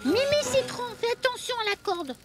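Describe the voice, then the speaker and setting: A woman's voice: very high-pitched, big pitch swings, moderate pace, music in the background. A woman voicing a polite, reassuring little girl with playful theatrical airs in a children's cartoon dub. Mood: earnest.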